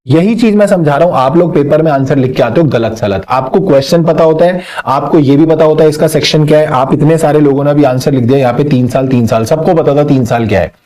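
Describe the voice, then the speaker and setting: A young man teaching exam law in a lively, conversational manner, reading question text slowly and adding teasing asides. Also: fairly high pitch. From Punjabi family. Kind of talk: exam-prep lecture, mixing Hindi and English.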